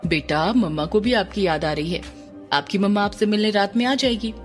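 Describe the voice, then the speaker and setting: Woman doing a soft-spoken police officer mother. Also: mid-range voice, expressive, normal speed, faint music behind, lightly acted. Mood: soothing. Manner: soothing, then sharp. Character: police officer mother, firm but tender.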